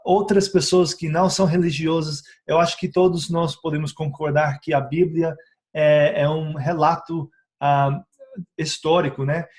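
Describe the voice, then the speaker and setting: Man, second-language speaker, slightly high voice, halting and chatty, educational video host. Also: steady tone, a little mellow. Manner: hesitant, frequent filler sounds and tag questions; speaks a learned second language with self-corrections. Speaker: essential oils educator. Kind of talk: casual teaching video.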